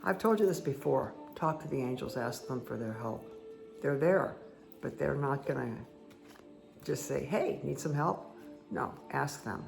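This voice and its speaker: A woman with a croaky voice giving a casual, chatty tarot card reading that speaks directly to the listener. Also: very deep voice, expressive, a little slow. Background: background music.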